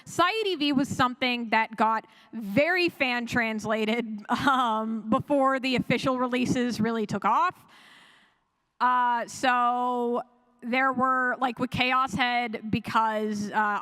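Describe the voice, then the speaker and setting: A woman presenting an informal panel talk to an audience, animated and conversational, with wry asides. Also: fairly high pitch.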